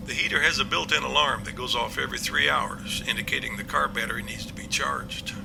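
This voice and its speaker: Very gravelly police captain played by a man. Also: medium pitch, fairly even intonation, noisy background. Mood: matter-of-fact. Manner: matter-of-fact, explanatory, measured. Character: confident, reassuring male police captain. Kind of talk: amateur audio drama acting.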